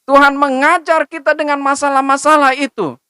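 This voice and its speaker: A woman's voice: sits high, little pitch movement, a little fast, sharp tone, no room sound. A young woman preaching a sermon to a youth service, speaking in a direct, admonishing way and drawing on her own experience. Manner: direct, admonishing, personal testimony.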